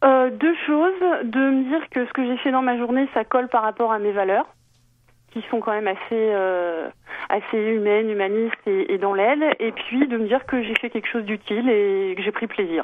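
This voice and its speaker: At a moderate pace, an unremarkable speaking voice talks with ordinary pitch variation. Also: woman, fairly high pitch for a woman. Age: 40s. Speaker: caller. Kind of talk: call-in question.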